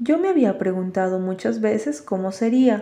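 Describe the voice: Lively intonation in a plain read-aloud delivery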